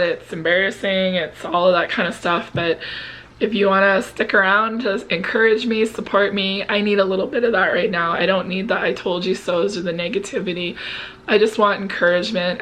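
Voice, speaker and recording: This woman's voice is on the low side and a bit bright, captured in a low-quality recording. She's a vlog host of 49, nearly fifty, chatting personally and earnestly with her viewers as if confessing.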